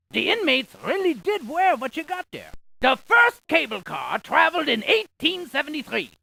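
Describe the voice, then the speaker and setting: Bright, creaky, excitable scientist. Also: female voice, sits high, full character voice. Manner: theatrical, quippy, exaggerated emphasis. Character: excitable, quirky museum scientist giving landmark trivia. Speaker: educational game character. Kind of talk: playful scripted educational game narration.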